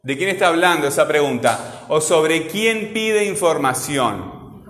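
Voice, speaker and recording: A man's voice: on the high side, lively intonation, measured pace, fairly bright tone. A man teaching a classroom grammar lesson, asking questions patiently and repeating key points. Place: classroom with a voice-bouncing echo. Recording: echoey classroom with long reverb.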